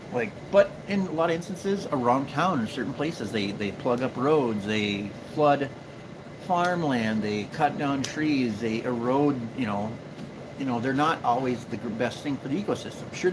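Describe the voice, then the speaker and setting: A man's voice: mid-range voice, background noise. A man in his forties with an Upper Midwest accent, chatting casually on a live stream, rambling with fillers and restarts. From Minnesota. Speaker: livestream host and beaver trapper. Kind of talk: casual live stream chat answering viewers.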